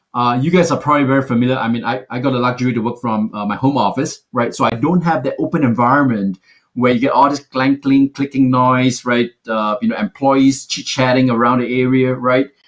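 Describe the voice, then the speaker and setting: A man's medium-pitched speech with a Singaporean accent, fairly even intonation, a fairly quick pace and hardly any pauses. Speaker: tech product manager. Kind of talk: presentation. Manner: frequent fillers, uh and right.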